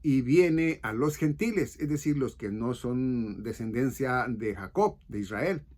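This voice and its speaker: Male Bible teacher, unhurried, talks in short halting phrases with constant tag questions. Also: medium pitch, animated, darkish tone. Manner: checks in with frequent "ok?" and "right?"; halting, restarts mid-phrase.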